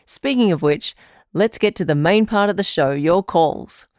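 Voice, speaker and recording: A woman's voice: on the low side, animated, normal speed, darkish tone, no echo, studio quality, lightly acted. A woman playing a patient, reassuring doctor who hosts a radio advice show, articulate and composed, in a scripted audio drama. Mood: upbeat, welcoming.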